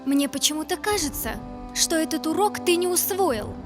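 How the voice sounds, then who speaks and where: A wise girl adventurer in a fairy-tale cartoon. The voice is extremely high, sensible and thoughtful in temper, with faint music behind it. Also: lively intonation, moderate pace. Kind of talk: children's cartoon acting.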